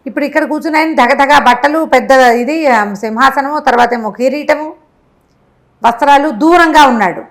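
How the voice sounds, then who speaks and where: Woman storyteller with a higher-pitched voice. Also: normal speed. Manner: animated, chatty, with asides to the listener. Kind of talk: spontaneous conversational storytelling of a folk moral tale, acting out dialogue.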